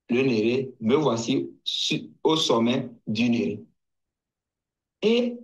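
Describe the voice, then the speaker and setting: Slow, halting man from Togo. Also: fairly high pitch, dull audio. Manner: hesitant, halting, with many restarts and repetitions. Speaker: guest giving a testimony. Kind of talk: slow personal testimony.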